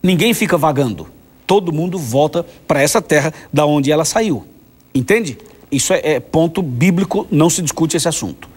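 A male pastor delivers a sermon in a conversational way. His voice sits a little high, and he keeps throwing rhetorical questions at his listeners. When he quotes other people, he jumps into their voices. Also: husky.

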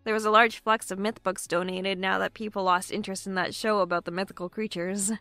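A woman's voice: medium pitch, level tone, fairly quick, sharp tone, no room sound, faint music behind. An actress playing an anxious, earnest young woman in an audio drama. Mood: friendly.

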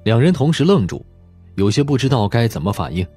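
A man's voice: mid-range voice, very animated, brisk, dark tone, slightly rough. A man reading a detective audiobook as a scripted narration. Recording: music behind the voice.

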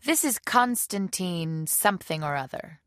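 A woman's voice: fairly low pitch, animated, measured pace, dry recording, clean studio sound, pitched above the performer's own voice. A woman voicing a polite foreign man with a slight foreign accent, speaking formally and carefully in an audiobook.

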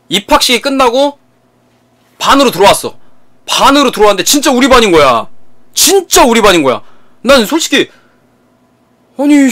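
Bright, lively young man telling a story. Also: extremely high pitch. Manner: animated, repetitive, profane retelling. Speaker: streamer. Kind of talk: casual storytelling to viewers.

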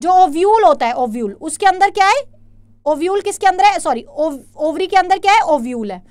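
A very high-pitched woman, teaching biology live online. She reads out students' answers, praises them, and switches between Hindi and English terms. The sound is dry and close. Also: expressive, fairly quick, a little mellow, no room sound. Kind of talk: live online exam-prep class.

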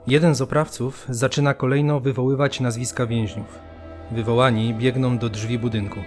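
An actor playing a sombre prisoner, narrating his memories gravely and deliberately in a radio drama. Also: medium pitch, little pitch movement, music in the background, natural voice. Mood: grim account. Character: sombre male camp prisoner stripped of his identity.

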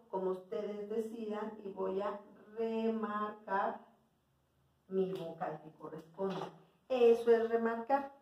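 A woman teaching a preschool class, speaking slowly and clearly and sounding out words for young children. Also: a little high, mellow, lo-fi sound. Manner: patient, sounding out words and checking in with "¿sí?". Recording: roomy sound from away from the mic.

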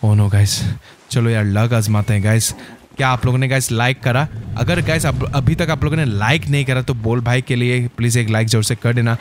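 Excitable male gameplay commentator. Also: mid-range voice, brisk, background noise. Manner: excitable, keeps saying "guys". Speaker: gaming channel host.

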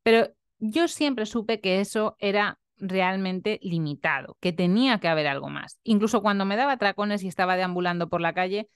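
A woman's voice: mid-range voice, normal speed, hardly any pauses, clear, resonant tone, no echo, clean studio sound. A young woman nutritionist talking earnestly and openly in a personal vlog, often adding tag questions. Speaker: nutritionist and vlogger. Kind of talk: reflective personal vlog talk.

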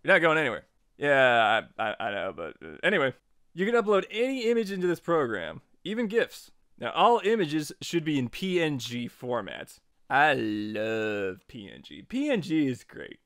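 A man narrating a casual software tutorial as its host, in an informal, jokey and playfully emphatic way. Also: medium pitch, sing-song, moderate pace, clean tone, dry recording, studio quality. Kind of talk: casual tutorial narration over screen recording.

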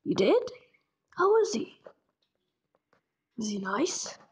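A woman's voice: on the high side, sing-song, takes it slowly, darkish tone. A woman voicing a hyperactive, friendly young male cat-boy character, perky and chatty, in an amateur audition. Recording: faint background noise with clicks.

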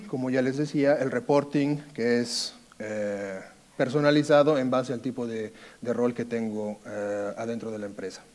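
A man with an Italian accent giving a conference talk on a dark stage, hesitant, with many fillers and restarts. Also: mid-range voice. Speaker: conference speaker, sales engineer. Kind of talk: conference presentation.

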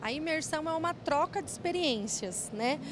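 In a large indoor hall set with rows of chairs, a cheerful young bank branch manager from São Paulo city, Brazil, answers casual interview questions into a handheld mic and laughs readily. Her high voice is expressive at normal speed, over a noisy background.

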